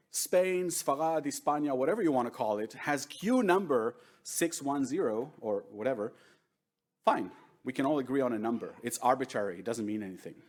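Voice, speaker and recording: A middle-aged man whose first language is Hebrew, giving a conversational lecture at a conference and often asking the audience "right?". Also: mid-range voice. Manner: conversational, keeps checking in with "right?". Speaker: workshop presenter. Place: large conference room with seated audience.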